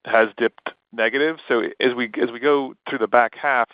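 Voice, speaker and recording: A man's voice: mid-range voice, steady tone, moderate pace, clear, resonant tone, no room sound. A man speaking as an analyst on an earnings call, putting long, winding questions with self-corrections. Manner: wordy, winding multi-part questions. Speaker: financial analyst asking questions. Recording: slightly dull, dry call audio.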